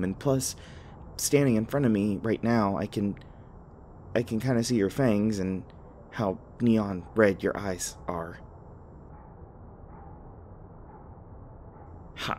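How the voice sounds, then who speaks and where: A man's voice: on the low side, a little mellow, slight background noise, natural voice. Jittery, stammering young man, acted out. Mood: nervous awe. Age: young adult. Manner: nervous, stammering, rambling. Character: jittery, rambling young human man rescued by a vampire. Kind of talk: audio roleplay acting, addressed to the listener.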